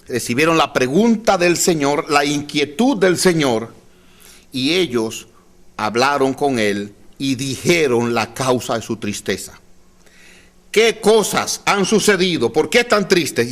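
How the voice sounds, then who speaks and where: A man preaching from the pulpit in a fairly high voice. He addresses the congregation directly and asks them to repeat phrases, now pressing forward, now dropping to a near hush to drive a point home. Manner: dynamic delivery, drops to soft low tones for emphasis. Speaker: pastor. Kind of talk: sermon. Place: church.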